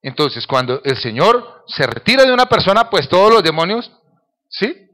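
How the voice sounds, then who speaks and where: Male pastor, sermon delivery, slightly high voice, emphatic questioning style. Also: very animated, normal speed, sharp tone. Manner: emphatic, with rhetorical question tags.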